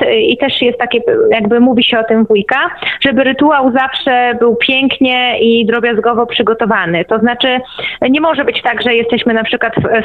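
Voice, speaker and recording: A woman's fairly high voice comes through a thin, phone-like connection. She speaks as a guest on a radio show, explaining in a conversational way. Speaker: interview guest, writer and lecturer. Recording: tinny phone-like line.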